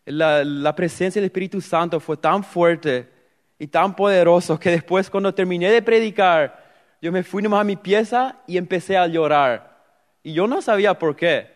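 A man's voice: fairly high pitch, big-room sound. A young man with a Paraguayan Spanish accent giving an earnest sermon testimony, acting out his inner thoughts as he tells his story. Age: young adult. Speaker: preacher.

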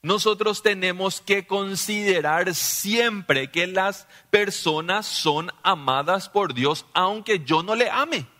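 Man, pastor, sermon, bright ringing voice, long hall reverb. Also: high-pitched, slow, hardly any pauses. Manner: animated preaching, often asks listeners "¿sí?".

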